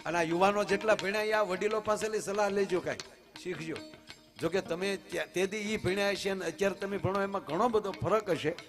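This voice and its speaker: A man telling folk stories on stage, swinging from soft murmurs to loud, preachy exclaiming. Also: on the high side. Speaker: folk storyteller and comedian. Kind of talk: Gujarati dayro stage storytelling.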